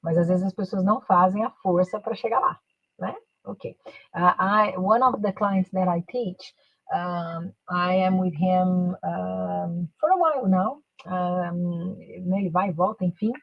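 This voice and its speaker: A woman, giving a career coaching talk on a live stream and switching into slow English, with frequent "né" and "ok" tags. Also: on the low side, gravelly, dry recording, lo-fi sound. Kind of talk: live online talk, mixing Portuguese and English.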